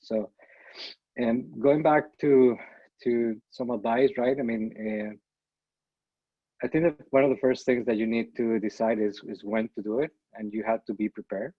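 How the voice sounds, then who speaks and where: Middle-aged man from Costa Rica, founder on a panel, halting delivery, dry lo-fi call audio. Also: medium pitch, steady tone, no room sound. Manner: halting, repeats words while thinking. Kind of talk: casual panel talk. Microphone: video call.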